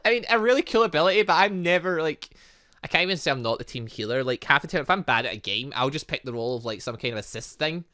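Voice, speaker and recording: A gaming host with a bright, forceful voice talks through a playthrough in a rambling way. The delivery is very lively in pitch, breaking off and restarting with mild exasperation. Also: quick pace. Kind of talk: excitable let's play commentary with read-aloud dialogue.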